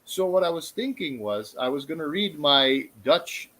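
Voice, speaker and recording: A man talking casually as a guest about books, pausing often with "uh". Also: on the high side, lively intonation, fairly bright tone, poor audio. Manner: hesitant, frequent "uh" pauses. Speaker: guest, book video creator. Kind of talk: casual chat.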